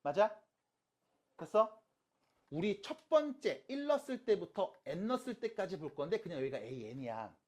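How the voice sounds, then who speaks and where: Math teacher, online lecture, animated pitch swings, rhetorical questions, slow emphatic repetition, casual and polite speech mixed. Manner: constantly quizzes students with rhetorical questions; repeats key steps slowly and emphatically. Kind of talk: online math lecture to high school students.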